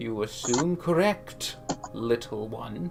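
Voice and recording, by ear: Clear music plays behind a man doing a put-on character voice at a medium pitch. He speaks at a very slow pace.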